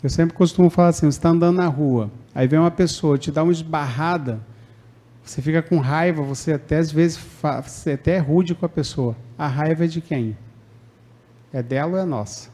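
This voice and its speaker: A Brazilian spiritist lecturer gives a public talk on forgiveness in a spiritist centre lecture hall. His voice is mellow, fairly high-pitched and brisk. He speaks conversationally, acting out quoted lines and often adding "né?" tags.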